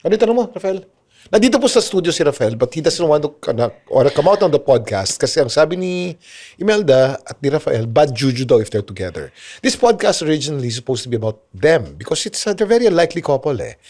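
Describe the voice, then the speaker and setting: A man in his late fifties with a Filipino accent, hosting a casual podcast interview and prompting his guest. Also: fairly high pitch. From Philippines. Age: 50s. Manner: fast, lively, friendly prompting with lots of mm-hmms. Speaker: podcast host.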